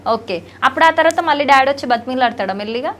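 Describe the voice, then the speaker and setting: Speaking fast in a high-pitched voice, a Telugu-accented woman playfully questions a young child. Her animated questions are teasing and affectionate, and slight background noise can be heard.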